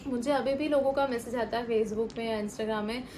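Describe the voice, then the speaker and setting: Brief: woman, 20s, interview guest, easygoing bilingual chat, filler-heavy, frequent laughs, slightly high voice. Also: steady tone, moderate pace, mellow, slight background noise. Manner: mixes Hindi with English phrases, laughs often, talks with many fillers. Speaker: guest, exam topper sharing advice. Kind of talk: casual advice chat.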